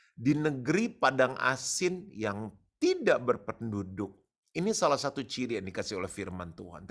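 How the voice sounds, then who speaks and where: Man preaching a sermon, pitch jumps all over, jokey, drops english words in. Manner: animated, joking, mixes in English words. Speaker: pastor.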